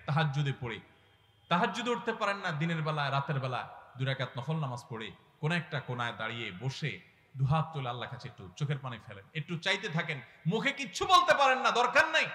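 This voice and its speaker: A man preaching an impassioned sermon to a large gathering on a microphone, asking the crowd question after question and swelling from soft pleading to loud exhortation. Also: medium pitch. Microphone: public address microphone. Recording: echoey long reverb through loudspeakers.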